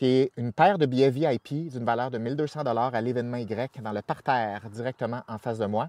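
In a Quebec accent, a man speaks at a moderate pace and medium pitch with ordinary pitch variation. The sound is dry with no echo, over a quiet background. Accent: Québécois French. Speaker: speaker and content creator; speaker, content creator. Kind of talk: promotional announcement. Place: studio. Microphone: lapel.

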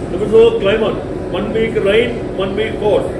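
A man is heard over loud background noise. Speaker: tea factory guide. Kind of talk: guided tour explanation. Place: factory. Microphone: camera far.

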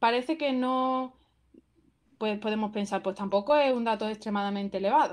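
A woman with an Andalusian accent and ordinary pitch variation over a quiet background. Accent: Andalusian (Málaga). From Spain, Málaga (Torre del Mar, Andalusia). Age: 20s. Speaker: economics PhD student. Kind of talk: interview.

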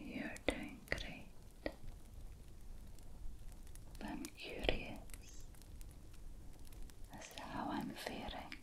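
Whispering and soft-spoken, a woman talks very slowly with long, frequent pauses. Loud background noise is present. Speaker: relaxation video host. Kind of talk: soft guided relaxation talk. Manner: soft, tender close whisper. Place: home room. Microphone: studio mic.

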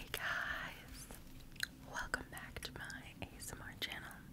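A woman talks at a fairly slow pace against loud background noise. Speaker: ASMR creator. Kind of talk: ASMR whisper reading. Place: home room. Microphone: studio mic.

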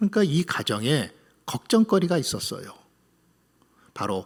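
Fairly high-pitched with vocal fry, a man talks at a fairly slow pace with very wide pitch swings. The recording is very clean against a silent background. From South Chungcheong, Korea (Seocheon). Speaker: pastor. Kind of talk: sermon. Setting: church.

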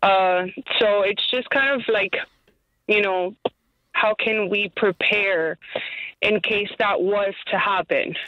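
A woman speaks very slowly with long, frequent pauses, her intonation fairly even and her loudness very even. The sound is dry with no echo, and the background is quiet. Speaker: caller. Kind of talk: call-in radio question. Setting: phone call. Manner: halting. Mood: slightly anxious, candid. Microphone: phone line.

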